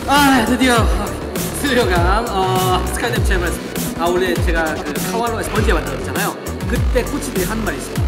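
A man in his forties presenting a vlog to camera in an exclamatory, showman-like way. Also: high-pitched. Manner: exclamatory, theatrical showman delivery. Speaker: video show host. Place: on location, outdoors and in a large indoor hall. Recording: loud music over the voice. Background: loud music.

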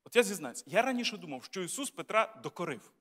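A man with a high voice preaches a sermon, speaking to his congregation as friends and tossing them rhetorical questions. He keeps it conversational and slips in light jokes. His voice rings out with a long reverb tail from the church hall. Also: sing-song, fast talker, a bit bright. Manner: lightly humorous, tells jokes. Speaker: bishop preaching. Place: church sanctuary.

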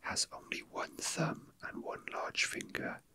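A man whispering softly and breathily in a casual, unscripted ASMR style, with halting delivery, close to the microphone. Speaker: ASMR video host.

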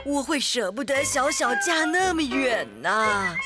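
A woman's voice: sits high, expressive, measured pace, over loud music. A woman playing a worried, loving old mother in a children's storybook cartoon, fretful and tender. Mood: hesitant, anxious.

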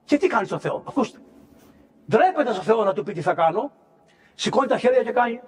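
A Greek Orthodox priest preaches with a high voice that leaps up and down as he tells the scene. He acts out moments with quick sound words and voices of the people in the story. His words ring through the long echo of a church. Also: big pitch swings. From Greece. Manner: explains a hymn verse by verse, asking and answering his own questions. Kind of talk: sermon.

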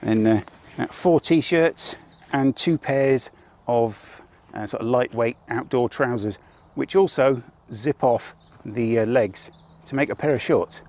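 A man's voice: medium pitch, slow pace, darkish tone. An older man on a lapel radio mic, talking casually and wryly outdoors at a campsite as he shows off his motorcycle kit. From Britain. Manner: chatty, wry, with self-deprecating jokes. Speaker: motorcycle travel vlogger. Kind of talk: casual vlog, mock advert at the start. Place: outdoors at a campsite car park.

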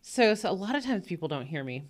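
A podcast host tells a rambling, casual anecdote, sprinkling in plenty of fillers and laughs. She talks fast and very animatedly, in a low, morning-sounding voice.

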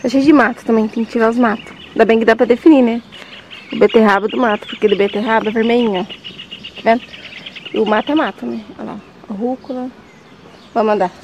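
A woman's voice: a little high, steady tone, quick pace, darkish tone, highs cut off, a little hiss or hum. A young Brazilian woman chatting casually to her viewers while walking through her vegetable garden and pointing things out. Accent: Brazilian Portuguese. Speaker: vlogger. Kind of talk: casual vlog chat to viewers. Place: outdoors in a vegetable garden on a farm.

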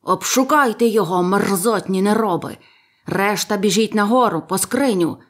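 A woman voicing a blind old male pirate beggar, furious and barking harsh commands in a breathy voice, in a storybook reading. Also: mid-range voice, normal speed, lightly acted.

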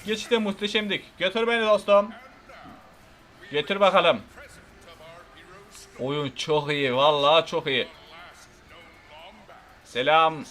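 A man narrates his own gameplay in a high, bright voice. He talks in a casual, excitable way, swearing lightly and shouting at enemies. Now and then he reads on-screen text aloud. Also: slow pace, long pauses. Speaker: gamer. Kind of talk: casual let's play commentary.

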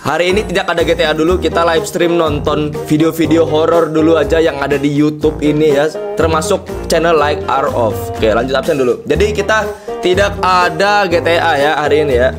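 A young adult man hosting a casual livestream, slangy and excitable, repeating his phrases, with a slightly hoarse voice. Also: fairly high pitch, fairly quick, music in the background. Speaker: livestream host. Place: indoor streaming desk.

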